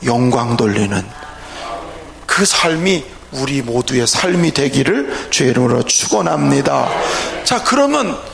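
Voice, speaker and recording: A man's voice: high voice, vocal fry, fairly bright tone, a little hiss or hum. A man pastor preaching an evening worship sermon, emphatic, with rhetorical questions and calls of hallelujah, in a church sanctuary. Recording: echoey church hall, faint ambience.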